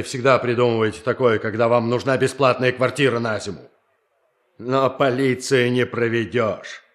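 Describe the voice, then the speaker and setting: A man's voice: mid-range voice, close to an everyday voice. An actor playing a brusque, contemptuous policeman in a theatrical audio drama. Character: gruff, scornful policeman brushing off a vagrant.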